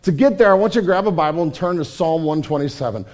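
A middle-aged pastor preaching in a church, his voice raspy and hoarse, earnest and emphatic with many repetitions. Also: on the high side, animated, fast talker, darkish tone. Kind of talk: sermon. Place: church sanctuary.

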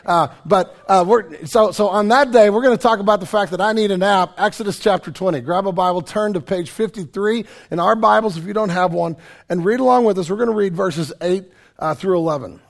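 A middle-aged man, preaching a sermon in a conversational, self-deprecating way with joking asides, his voice raspy and hoarse from a cold. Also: high voice, fairly quick. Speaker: pastor.

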